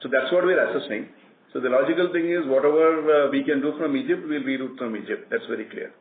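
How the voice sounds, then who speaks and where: A man answering questions as a company executive on an earnings call, explaining in halting, repetitive phrases. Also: medium pitch. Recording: tinny phone line, roomy echo, faint noise.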